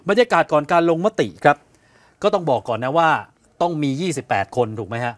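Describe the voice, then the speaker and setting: A man explains political news on a studio panel with a somewhat raised pitch. He sounds animated and conversational, and he often asks rhetorical questions. The studio sound is close and dry. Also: brisk, dry recording. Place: television studio.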